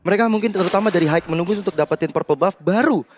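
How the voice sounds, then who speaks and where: A man's voice: high voice, rapid-fire, background noise. A man with an Indonesian accent giving commentary and analysis on an esports match.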